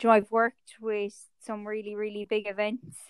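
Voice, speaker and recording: Heard in a dry, close sound with no echo, a woman with an Irish accent speaks at a fairly slow pace and a fairly high pitch. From rural Ireland. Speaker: fitness model. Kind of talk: interview.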